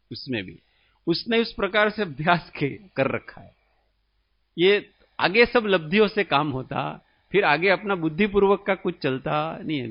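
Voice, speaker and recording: A man from India giving a slow, explanatory religious discourse as a spiritual teacher, often asking his listeners questions. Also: fairly high pitch, creaky, no echo, highs cut off.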